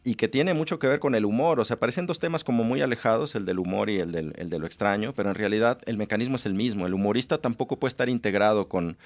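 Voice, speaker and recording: A man's voice: fairly low pitch, quick pace, few pauses. A man from Mexico whose accent mixes Mexican and Spain Spanish, a guest on a radio show, explaining his ideas at length with self-deprecating humor. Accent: Mexican mixed with Spain. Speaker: radio guest, writing workshop teacher. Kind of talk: radio interview. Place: radio studio.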